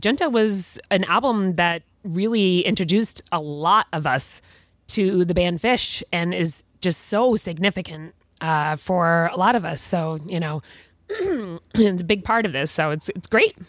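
A woman's voice: on the low side, animated, measured pace, no echo. A woman hosting an interview, chatting casually with many fillers and frequent laughs. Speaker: podcast host.

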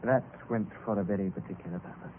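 An actor playing a reckless, ruined young gentleman in an old radio drama, brisk and wry. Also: fairly low pitch, natural voice. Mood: world-weary. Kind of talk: 1940s radio acting. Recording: tinny old radio broadcast with faint hiss.

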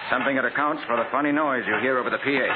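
A very noisy, thin 1940s radio recording carries a man playing a cool American detective hero. He talks fast and tersely, giving orders with decisive authority in radio crime drama style. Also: medium pitch, fairly even intonation, narrow, tinny audio, close to an everyday voice. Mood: brisk, wary.

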